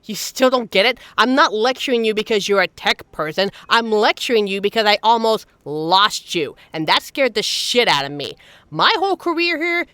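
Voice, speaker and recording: A woman's voice: mid-range voice, fairly bright tone, no room sound. A woman playing a fiercely protective secret agent in an emotional, emphatic dramatic audio roleplay. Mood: anguished, frustrated. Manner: emotional, scolding, emphatic, swearing. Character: normally suave female secret agent, fiercely protective, angry and anguished. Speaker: voice actor in a scripted audio roleplay.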